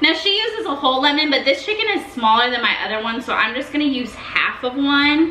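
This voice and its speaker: A woman's raised, projected voice with audible room echo and light background noise. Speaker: home cook vlogger. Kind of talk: cooking tutorial. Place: kitchen. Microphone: camera far.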